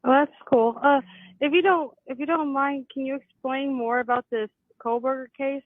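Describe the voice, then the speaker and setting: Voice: high-pitched, steady tone, moderate pace, dry recording. A caller to a talk show who speaks hesitantly and stammers, heard over a phone line. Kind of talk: phone call-in.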